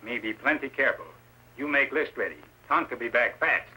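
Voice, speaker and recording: An actor playing a loyal Native American male scout who speaks calmly in clipped pidgin English, in an old radio western. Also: mid-range voice, brisk, natural voice. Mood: calm, assuring. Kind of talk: vintage radio western acting. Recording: hissy, muffled old radio recording.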